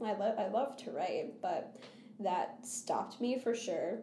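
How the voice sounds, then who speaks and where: A woman talks at a fairly slow pace with an Upper Midwest accent and a fairly high pitch. Background noise is noticeable. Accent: Upper Midwest American. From Minnesota. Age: 20s. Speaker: artist and arts educator. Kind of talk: casual chat.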